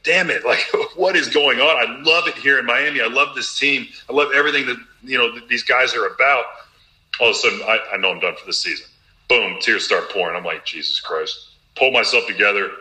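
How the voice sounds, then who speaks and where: A man's voice: mid-range voice, bright, forceful tone. Earnest, emotional athlete telling his story. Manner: earnest, emotional, quick retelling with quoted self-talk. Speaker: professional basketball player, guest. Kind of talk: candid storytelling interview answer. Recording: roomy echo.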